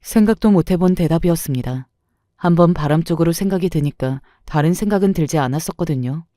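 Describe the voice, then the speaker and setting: A woman's voice: deep voice, quick pace, dark tone, dry recording, studio quality. A woman in her sixties narrating her own story in the first person, in a confiding, reflective tone. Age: 60s.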